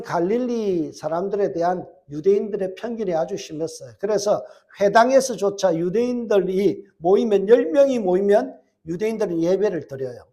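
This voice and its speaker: A middle-aged male pastor with a Gyeongsang Korean accent, preaching a sermon quickly and putting rhetorical questions to his congregation. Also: high voice, darkish tone. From Gyeongsang, South Korea. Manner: fast-talking, strong regional accent.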